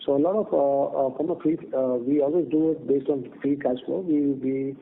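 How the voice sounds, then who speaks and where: A male company executive answering questions on an earnings conference call, speaking haltingly with repeated words over a phone line. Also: medium pitch, fairly even intonation, gravelly.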